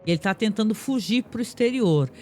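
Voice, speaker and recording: High-voiced man recapping a film. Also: expressive, brisk, darkish tone, slight background noise. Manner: chatty, frequent tag questions and restarts. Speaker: podcast host. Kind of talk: casual plot recap.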